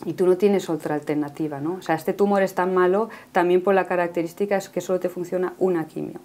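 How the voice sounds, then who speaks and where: A woman's voice: fairly low pitch, fairly even intonation, fast talker, a little mellow. A woman in her thirties telling her personal faith story in earnest conversation. She often ends phrases with a questioning "no?". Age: 30s. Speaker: guest giving a faith testimony.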